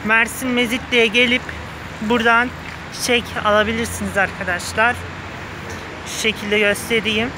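A man's voice: very high voice, little pitch movement, moderate pace. A man speaking through a face mask, slightly muffled, giving an enthusiastic, gushing casual vlog commentary to viewers. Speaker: vlogger. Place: outdoors on a street pavement outside a flower shop. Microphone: handheld phone behind the camera. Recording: street noise with passing cars. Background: cars, outdoor urban ambience.

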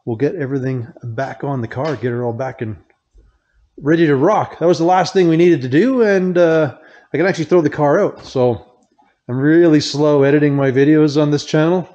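A middle-aged man hosting a casual behind-the-scenes vlog, rambling in a relaxed way and often trailing off to restart, recorded on a lapel mic. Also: on the high side, normal speed, highs cut off. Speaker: car builder and channel host.

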